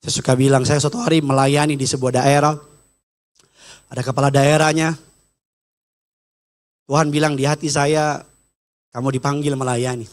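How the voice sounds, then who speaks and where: Male pastor, sermon, humorous storyteller, high voice. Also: level tone, normal speed, long pauses.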